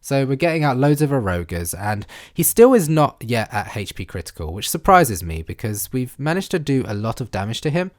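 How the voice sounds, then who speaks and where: Congested man narrating gameplay, animated. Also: medium pitch, brisk, hardly any pauses. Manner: chatty, animated, self-narrating. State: congested, blocked nose from illness. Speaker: gaming YouTuber. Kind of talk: game commentary voice-over.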